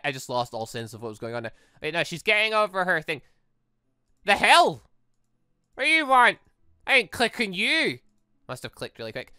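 Let's player, animated pitch, dry close sound, exclaims and rambles through gameplay. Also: smooth, no room sound. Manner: exclaiming, rambling, thinking aloud. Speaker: video game let's player. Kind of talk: excitable gameplay commentary, reading dialogue aloud.

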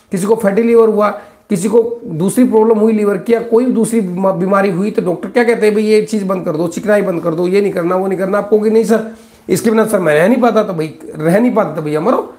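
A man's voice: high-pitched, steady tone, fast, mellow. A man in his thirties, a doctor answering viewer questions on a live stream, giving blunt, scolding advice. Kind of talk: live Q&A consultation. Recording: echoey small room.

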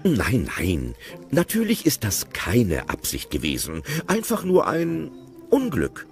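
A man narrating an audio play with expressive, playful commentary. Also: medium pitch, slow, gravelly, faint music behind.

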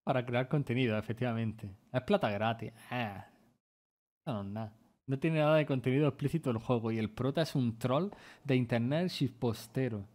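A man from Spain with a Spain Spanish accent, chatting casually with viewers while he plays, rambling, swearing freely and breaking into excited outbursts. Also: medium pitch, normal speed. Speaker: gaming streamer. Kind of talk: casual gameplay chat with viewers.

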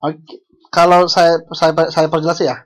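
Slow, unhurried lecturer from Bali. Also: mid-range voice, level tone. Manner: unhurried, asks the class questions, self-correcting. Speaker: university lecturer. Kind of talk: online language lecture.

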